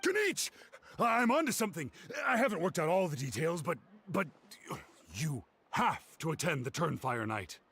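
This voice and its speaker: A man voicing an earnest, excitable young scholar in a video game, explaining things intensely. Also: a little high, moderate pace, breathy edge, heavily acted. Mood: excited.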